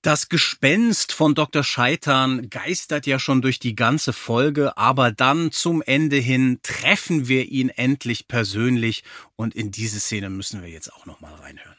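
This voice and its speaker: Guy podcast cohost, enthusiastic casual chat, medium pitch, dry sound. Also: unhurried, fairly bright tone, no echo. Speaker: podcast co-host.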